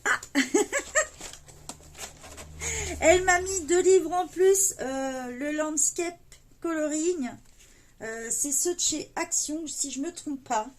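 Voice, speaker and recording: Unboxing a parcel of coloring books, this haul vlogger chats casually, full of fillers and delighted exclamations. She speaks slowly in a voice that sits high, with slight background noise present.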